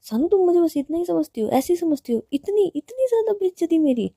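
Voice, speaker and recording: A woman voicing a quick-tempered but loving young college woman who scolds loudly and often turns indignant. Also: very high voice, big pitch swings, dry recording, studio quality, voice pushed up, full character voice.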